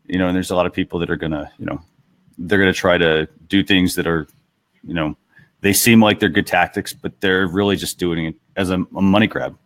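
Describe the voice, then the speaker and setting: Lowish-voiced man hosting a chat. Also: fairly even intonation, fairly quick, a bit bright. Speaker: talk show host. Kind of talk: casual talk show chat. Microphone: headset.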